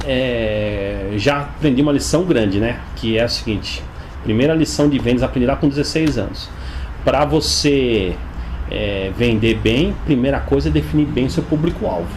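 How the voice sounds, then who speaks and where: A man in his forties speaks with a São Paulo Brazilian accent and a mid-range pitch. He answers in a conversational interview style, as a sales coach would. Clear background noise and ambience sit behind his voice. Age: 40s. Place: inside his home.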